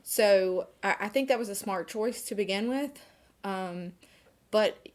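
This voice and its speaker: A woman's voice: medium pitch, unhurried. A woman aged forty, a photography instructor, answering interview questions conversationally and hesitantly, thinking aloud.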